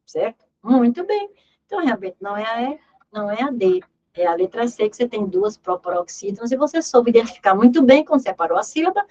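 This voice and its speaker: A woman's voice: mid-range voice, lo-fi sound. A woman teaching an exam review lesson in Portuguese grammar, emphatic and repeating key words as she drills terms aloud.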